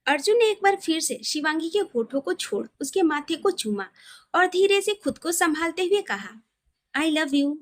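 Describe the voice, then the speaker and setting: High-pitched woman narrating romantic fiction. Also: animated, normal speed. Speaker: storyteller. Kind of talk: scripted romantic story narration.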